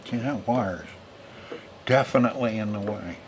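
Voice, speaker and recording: A man's voice: on the low side, moderate pace, slight background noise. A man narrating a hands-on repair casually, muttering to himself in a folksy way as he works. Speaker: repair video host.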